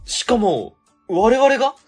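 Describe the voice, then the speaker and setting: Young male clerk voiced by a woman: unhurried, slightly breathy, animated intonation, timid and likeable, radio play style. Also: fairly high pitch, faint music behind, exaggerated voice. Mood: nervous, amazed. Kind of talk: amateur web radio drama acting.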